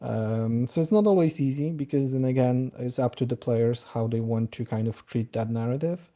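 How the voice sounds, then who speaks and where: A man's voice: medium pitch, moderate pace, dark tone. A man on a convention panel, talking hesitantly and searching for his words. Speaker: panelist, scenario writer.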